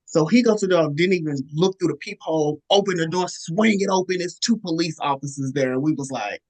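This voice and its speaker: A woman co-hosting a podcast, telling a story casually and acting out quoted lines in a high squeaky voice. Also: a little fast, darkish tone. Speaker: podcast co-host.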